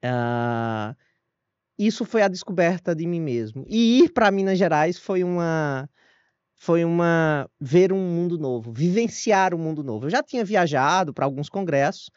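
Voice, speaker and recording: A man's voice: a little high, measured pace, clean tone, no echo. Man with a northeastern Brazilian accent. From Northeast Brazil (Paraíba, Ceará). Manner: animated, self-deprecating, frequent restarts and laughs. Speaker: guest historian. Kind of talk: relaxed storytelling in an interview. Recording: dull lo-fi dry audio.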